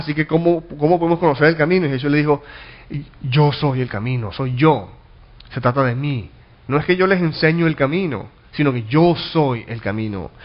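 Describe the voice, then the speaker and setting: A man's voice: fairly high pitch, dull audio. A man preaching a sermon as a pastor, teaching earnestly, restarting and repeating words, and asking rhetorical questions that he answers himself. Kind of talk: sermon Bible study.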